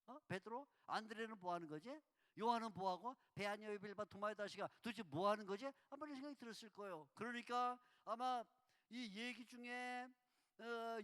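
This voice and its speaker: A man pastor preaching a revival sermon in a church sanctuary, playful and lively, repeating key words and acting out dialogue for humor. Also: high-pitched, clean tone, long reverb tail.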